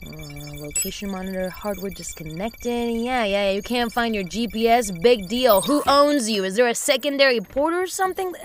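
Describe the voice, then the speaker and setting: An actress playing a scrappy, sweary woman engineer in an audio drama, muttering to herself in an animated, exasperated way. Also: a little high, moderate pace, few pauses, soft background music, natural voice. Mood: distracted muttering.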